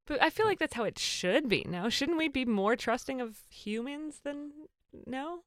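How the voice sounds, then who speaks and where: Woman co-host, lively and joking, clear smooth voice, dry close sound. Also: sits high, no room sound. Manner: lively, chatty, quick to joke. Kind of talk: conversational panel discussion.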